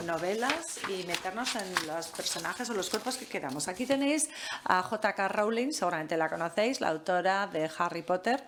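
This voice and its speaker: A woman lectures at a master class. She talks in a measured, deliberate way and often stops on a filler. Her voice sits at an ordinary middle pitch. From France. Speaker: guest lecturer.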